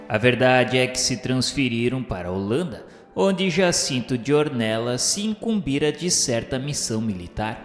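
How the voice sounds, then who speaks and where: A man's voice: mid-range voice, close to an everyday voice. A Brazilian man playing an embittered, obsessive inquisitor, narrating his past in a solemn, literary, theatrical radio drama style. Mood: brooding. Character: embittered, obsessive inquisitor recalling forbidden love and rivalry. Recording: echoey hall reverb, music behind. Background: music.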